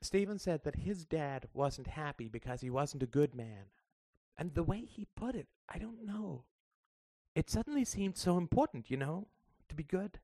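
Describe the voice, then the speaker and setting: Guy doing a high earnest little girl voice, storybook, stops and starts hunting for words, dry sound. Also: animated, warm tone, no room sound. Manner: earnest, halting, searching for words. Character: earnest young schoolgirl, persistent and searching.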